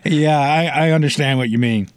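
A man's voice: on the high side, moderate pace, no room sound. A man hosting a radio segment, playing along warily and a little reluctant, in a scripted sketch. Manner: wary, playfully reluctant. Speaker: radio host.

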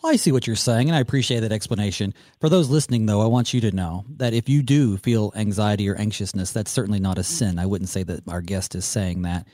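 Male Bible study host, calm and measured questioner, warm dark tone, dry studio. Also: lowish voice, no room sound.

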